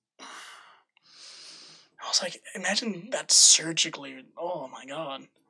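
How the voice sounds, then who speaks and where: A man whispers at a very slow pace. He leaves hardly any pauses. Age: 20s. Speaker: podcast co-host. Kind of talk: casual chat.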